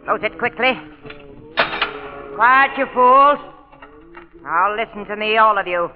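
An actress playing a cruel, imperious plantation mistress in old radio drama style, with a commanding, theatrical delivery. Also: female voice, medium pitch, slow, music in the background, close to an everyday voice. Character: cruel, imperious female plantation mistress enslaving drugged men. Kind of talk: 1940s radio drama acting. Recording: old muffled radio recording, long reverb.

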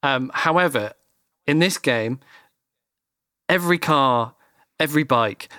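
A man's voice: medium pitch, a little slow, pushed and bright, no room sound, clean studio sound. A man ranting animatedly in casual chat as a podcast co-host, swearing freely.

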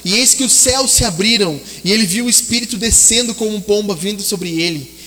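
A man preaching a sermon in a high, bright voice. He tells stories dramatically and drops low and hushed for quoted voices. The sound rings with a long hall reverb. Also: brisk.

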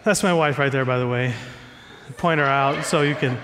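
A man's voice: mid-range voice, moderate pace, fairly bright tone, big-room sound, slight background noise. A man preaching a sermon as pastor, stuffy from a cold, talking in a conversational, self-joking way from a church stage.

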